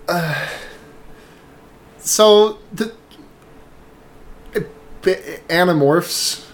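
A woman's voice: on the low side, very slow, a little hiss or hum. A woman co-hosting a podcast in casual, joking, sweary chat, with a fan running in the room. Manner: sweary, informal. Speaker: podcast co-host.

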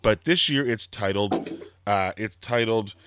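A young man with a slightly hoarse, throaty voice, hosting a casual wrestling podcast and rambling excitedly with lots of fillers. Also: fairly low pitch, unhurried. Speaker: podcast host.

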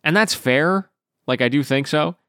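A man hosting a gaming podcast, telling a story in a casual after-show monologue, ranting in an animated way and breaking off to apologize. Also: a little high, measured pace, clean tone, dry recording, studio quality. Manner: acts out quoted exchanges in a raised voice.

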